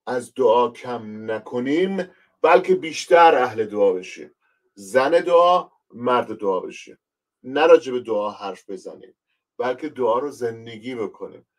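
An Iranian pastor gives an unhurried, conversational online Bible lesson, teaching scripture in a medium-pitched voice. He keeps turning to address his listeners as he explains each point, and he sounds a little distant from the microphone.

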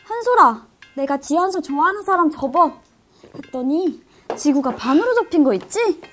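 A woman's voice: high-pitched, very animated, normal speed, a bit bright, faint music behind. A woman narrating a variety clip in a playful voice-over, gushing and teasing with fan-like quips.

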